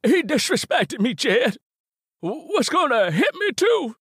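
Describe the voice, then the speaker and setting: A man voicing a hostile, hysterical old white man who shrieks and yells in an audiobook. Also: big pitch swings, a little slow, husky, no room sound, clean studio sound, exaggerated voice. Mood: angry. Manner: shrill, yelling.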